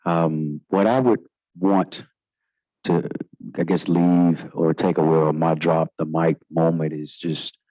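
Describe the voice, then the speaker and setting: A man's voice: rumbling low, fairly even intonation, takes it slowly, dark tone, no echo, low-quality recording. A man with a Southern African American English accent giving informal, emphatic remarks on a panel, repeating phrases for effect. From United States. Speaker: lawyer, panelist.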